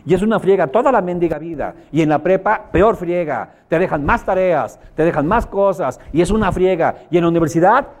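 A man's voice: sits high, expressive, brisk, hardly any pauses. A man with a Mexican accent giving a motivational seminar talk to a group. He speaks colloquially and emphatically, repeats phrases for effect and puts questions to his audience.

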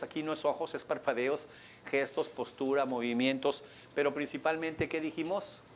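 A man lecturing a coaching workshop, asking the audience questions and acting out a client's lines in a higher voice. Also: a little hiss or hum. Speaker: coaching instructor.

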